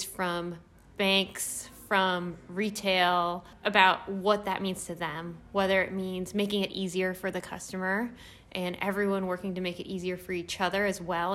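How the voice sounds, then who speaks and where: A woman's voice: medium pitch, bright, forceful tone. Upbeat woman analyst at a conference. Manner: upbeat, enthusiastic. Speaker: research analyst. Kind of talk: conference interview answer.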